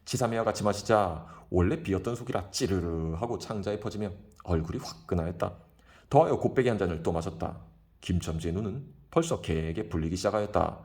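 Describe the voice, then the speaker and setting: A man narrating a classic short story in a brisk, expressive audiobook reading. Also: low-pitched.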